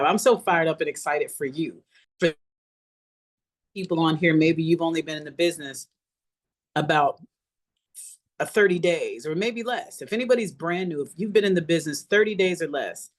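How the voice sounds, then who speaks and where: A woman leading a live motivational online class as a coach, speaking emphatically and repeating phrases to encourage her listeners. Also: deep voice. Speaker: business coach hosting an online masterclass. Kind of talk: live motivational webinar talk.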